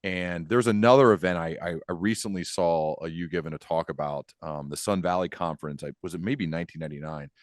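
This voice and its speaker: A man's voice: low-pitched, brisk, few pauses, no echo, clean studio sound. A man interviewing a guest as a podcast host, conversational and earnest, feeling his way into his questions.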